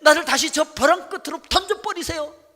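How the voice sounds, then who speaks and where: A man's voice: extremely high pitch, brisk, sharp tone, in a large hall, pitched above the performer's own voice. A man voicing an exhausted, ashamed lost sheep that begs to be left to die. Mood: pleading.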